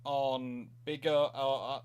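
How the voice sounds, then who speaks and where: A man's voice: medium pitch, little pitch movement, takes it slowly, clear, resonant tone. A man hosting a casual live history question session, rambling and often repeating himself as he goes. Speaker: naval history livestream host.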